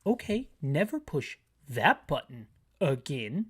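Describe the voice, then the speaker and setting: A man talks through a video game for listeners who can't see it. He describes each screen and wanders into wry, self-mocking tangents in a relaxed, chatty commentary. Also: fairly high pitch, slow pace, slightly rough. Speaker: gaming channel host.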